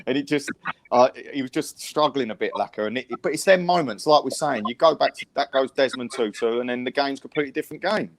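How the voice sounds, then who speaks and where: A man's voice: mid-range voice, quick pace, a little hiss or hum. An English man giving casual post-match analysis as a fan, emphatic and repeating his phrases to press a point. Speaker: football fan panellist.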